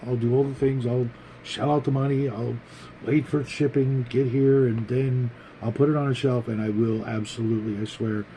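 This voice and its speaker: Mellow, rambling man with background noise. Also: medium pitch, fairly even intonation, poor audio. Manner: rambling, halting, conversational. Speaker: host of a tabletop gaming vlog, game master. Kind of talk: casual unscripted vlog talk to viewers.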